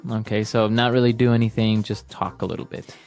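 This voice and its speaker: A man co-hosting a podcast lesson in a loose, conversational way, moving things along with little "all right"s and "very good"s. Soft music plays faintly underneath. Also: on the low side, fairly even intonation, fairly quick. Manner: leads segments with frequent "all right" and "very good". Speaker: podcast co-host, English teacher. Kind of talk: casual teaching chat.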